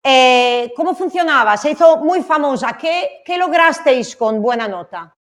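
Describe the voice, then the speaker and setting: A woman's voice: high voice, lively intonation, measured pace, fairly bright tone. A woman hosting a virtual awards event, putting questions to guests as the interviewer. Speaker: host, interviewer.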